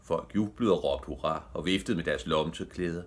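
Older man reading a bedtime story, deep husky voice. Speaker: audiobook reader. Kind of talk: bedtime story read aloud.

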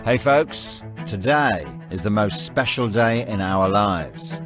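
An actor playing a determined, encouraging cricket team coach in a video game, speaking in emphatic, rehearsed lines. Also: male voice, lowish voice, animated, takes it slowly. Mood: rousing. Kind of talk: scripted motivational speech and press answers. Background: music.

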